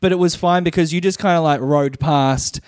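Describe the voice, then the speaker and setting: A man talks casually as a co-host on a gaming podcast. His voice is slightly high for a man and sounds very dry, free of room echo. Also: normal speed, darkish tone, clean tone. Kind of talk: casual chat about video games.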